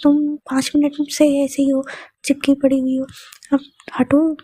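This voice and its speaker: A woman's voice: sits high, flat delivery, unhurried, warm tone, dry recording. A woman doing a scolding woman teacher. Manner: scolding, firm. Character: stern but amused woman teacher.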